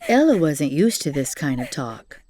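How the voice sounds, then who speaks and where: A woman's voice: low voice, very animated, normal speed, warm tone. A woman storyteller narrating a children's fairytale expressively, with chatty asides to young listeners. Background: music.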